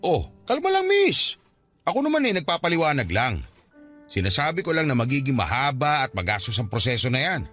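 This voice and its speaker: A man's voice: fairly high pitch, wildly swooping pitch, brisk, fairly bright tone, faint music behind, exaggerated voice. An actor playing a dismissive middle-aged policeman in a Tagalog radio drama, lecturing in a patronizing, colloquial way. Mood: defensive lecturing.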